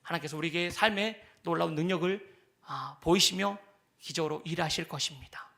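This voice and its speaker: Bright high-voiced male pastor preaching. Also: a little fast. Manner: acts out quoted voices of God and believers, swinging loud and soft; drops to a breathy near-whisper at the ends of points. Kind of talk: sermon.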